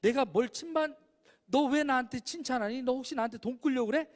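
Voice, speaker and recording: A man's voice: extremely high pitch, fairly quick. A man acting out an easygoing, peace-loving male classmate who avoids fuss, recorded with a long hall reverb. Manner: laid-back, timid.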